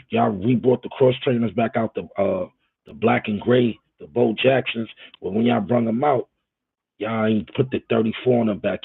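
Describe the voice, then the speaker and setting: A man's voice: medium pitch, creaky, slightly rough, dry recording. A man hosting a live stream in casual chat, greeting viewers and talking in a rambling, emphatic way straight to them. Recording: tinny phone-like audio.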